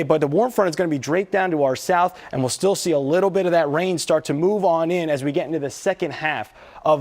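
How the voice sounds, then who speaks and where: Higher-voiced American man forecasting weather. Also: darkish tone. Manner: conversational, explanatory. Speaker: TV meteorologist. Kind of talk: live weather forecast presentation.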